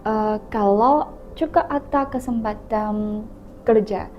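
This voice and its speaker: A young woman from China with a Chinese accent, a native Mandarin speaker, answering interview questions as a student in halting foreigner's Indonesian. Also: medium pitch, muffled recording, slight background noise. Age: young adult. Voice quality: difficulty rolling the R. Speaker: student guest.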